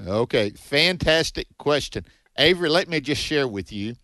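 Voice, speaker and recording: A man co-hosting a call-in radio Bible show, folksy and warm with callers, calling them brother. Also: on the high side, lively intonation, normal speed, dry recording. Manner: folksy, affectionate, calls people brother.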